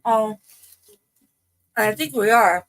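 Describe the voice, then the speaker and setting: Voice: mid-range voice, slow, a bit bright. A livestream host talking casually and hesitantly, with many fillers and restarts. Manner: rambling, hesitant, many ums.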